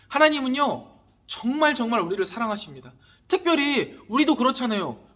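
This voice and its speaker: A man in his thirties, a youth pastor, giving an earnest sermon to teenagers with gentle, polite appeals. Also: high-pitched, husky.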